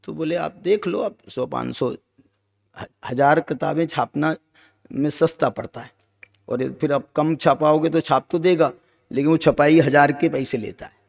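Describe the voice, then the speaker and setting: A man giving a discourse on Jain scripture at an ashram, chanting verses slowly and teasing his listeners with jokes. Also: on the high side, vocal fry. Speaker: scripture teacher. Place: ashram hall. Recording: long hall reverb.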